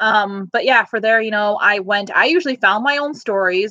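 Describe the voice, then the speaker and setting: The woman's bright, sharp tone comes through in a dry, close sound with no echo. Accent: American. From northwestern Illinois, US Midwest. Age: 30s. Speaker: vlogger, former reporter. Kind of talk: casual livestream monologue. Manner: chatty, filler-heavy.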